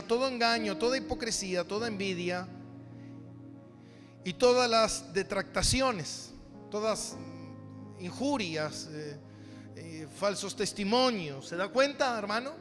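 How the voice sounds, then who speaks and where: A man's voice: very high voice, fairly bright tone. A man preaching a sermon as a pastor, teaching from the Bible emphatically, repeating phrases and putting rhetorical questions to his listeners. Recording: echoey hall, music behind the voice.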